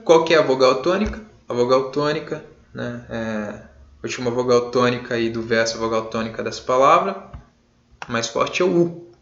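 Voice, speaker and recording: A man with a Brazilian accent teaching an online literature class in a casual way, full of fillers and check-ins, with some jokey shouted examples. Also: medium pitch. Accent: Brazilian Portuguese. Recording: roomy, dull lo-fi sound.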